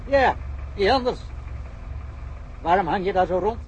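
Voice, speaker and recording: A man's voice: sits high, lively intonation, measured pace, slight background noise. An actor playing a suspicious street policeman in a radio drama, brusque and challenging.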